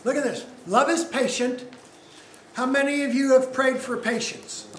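A male pastor preaching a sermon, unhurried, putting questions to the congregation. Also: very high voice, fairly even intonation, echoey room, a little hiss or hum, poor audio.

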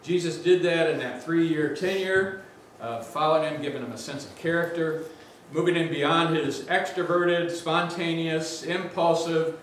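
A man with a big, slightly high voice preaches to a congregation in an energetic, conversational way, adding asides as he goes. He is heard from a distance in a very reverberant church, with a faint hum of the room behind him. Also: measured pace, hardly any pauses. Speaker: guest preacher. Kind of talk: sermon. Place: large church sanctuary.

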